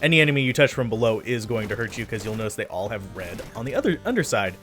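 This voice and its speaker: Very animated and fast-talking, a let's play commentator with a lowish, fairly bright voice riffs casually over his own gameplay. He's chatty, makes fun of himself, and keeps losing his train of thought against faint game music.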